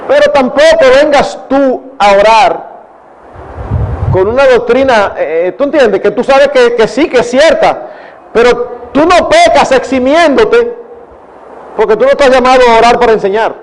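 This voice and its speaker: Older Dominican pastor, man, very high pitch; earnest, digressive Q&A delivery. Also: animated, measured pace, a little hiss or hum, rough recording. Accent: Dominican Spanish. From Dominican Republic. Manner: earnest, digressive, addresses audience as brothers. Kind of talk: conference Q&A talk.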